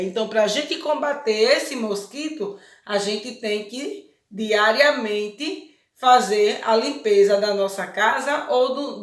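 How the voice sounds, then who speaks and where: Brazilian woman teacher, higher voice, patient with small kids, echoey room recording. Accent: Brazilian Portuguese. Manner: patient, explains step by step with many check questions. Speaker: primary school teacher. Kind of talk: recorded remote lesson for children.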